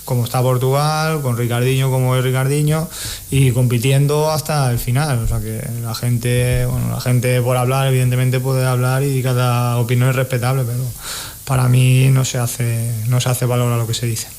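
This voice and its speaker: A young man, a futsal player, answering radio interview questions in a relaxed, even way, letting out small sighs between points. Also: mid-range voice, normal speed.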